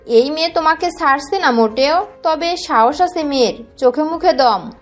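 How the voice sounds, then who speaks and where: A woman's voice: high-pitched, animated, moderate pace, soft background music. A woman playing a stern, scolding mother. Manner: scolding, dignified. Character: stern, proper middle-aged mother.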